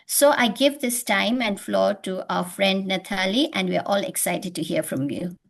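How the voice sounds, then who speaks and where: A woman's voice: mid-range voice, normal speed, gravelly. Nepali-accented woman hosting a webinar. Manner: hesitant, many fillers. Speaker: webinar host. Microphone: video call.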